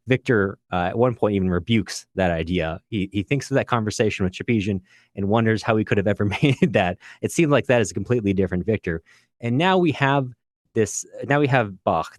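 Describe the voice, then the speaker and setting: A man's voice: on the low side, no echo, clean studio sound. A man speaking as a podcast co-host in an unscripted literary discussion, earnest and discursive, often correcting himself as he goes.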